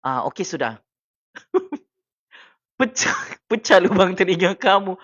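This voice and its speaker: High, bright mocking Sabah Malay man. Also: sing-song, slow, lo-fi sound. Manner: taunting, loud bursts and frequent exclamations. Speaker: political commentator streaming to viewers. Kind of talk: mocking livestream rant. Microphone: personal microphone at a desk.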